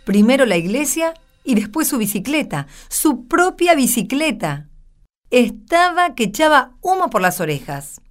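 A woman narrating a scripted radio drama as a playful storyteller who addresses the listeners. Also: medium pitch.

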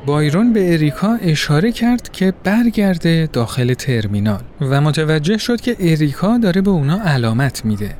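A man narrating a story in an expressive, acted-out way. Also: fairly high pitch, hardly any pauses, slight background noise. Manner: expressive, voices characters.

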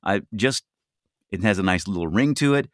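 A man with a deep, gritty voice talking earnestly and emphatically on a podcast, repeating his points. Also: expressive, moderate pace, no echo, studio quality. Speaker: podcast co-host. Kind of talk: casual chat.

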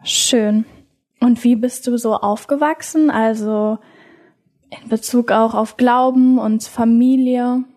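A woman hosting a faith podcast interview, asking gentle, encouraging questions in a casual tone. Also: fairly high pitch, steady tone, slow pace.

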